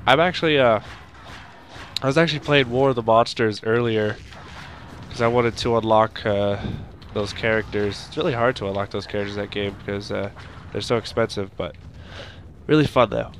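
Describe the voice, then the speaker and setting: A young man with a stuffy nose from a cold, rambling through casual let's-play commentary and shouting at the game now and then. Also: lowish voice, steady tone, moderate pace, a little hiss or hum. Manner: rambling, makes sound effects and shouts at the game.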